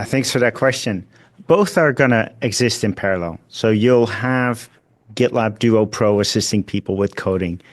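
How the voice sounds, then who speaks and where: A man speaking as a chief executive, giving deliberate explanations on an earnings call. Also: fairly low pitch.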